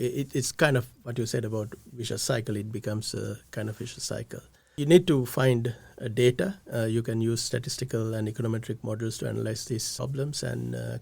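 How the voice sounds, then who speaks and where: A man's voice: medium pitch, gravelly, a little mellow, dry recording. A man from Sri Lanka, an economist guest explaining step by step with many filler sounds and restarts. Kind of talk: explanatory podcast talk. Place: studio.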